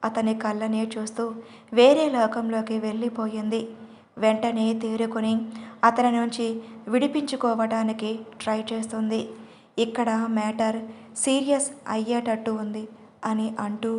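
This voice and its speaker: Narrator for audio drama: woman, steady scripted reading, a little high, little pitch movement. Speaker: storyteller.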